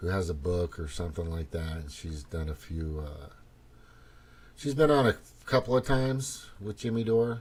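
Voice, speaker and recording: Somewhat breathy and very deep in pitch, a man speaks at a moderate pace with lively intonation. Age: 60s. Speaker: political commentary video host. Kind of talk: casual political monologue. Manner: halting, many fillers and repetitions; animated, profane rant.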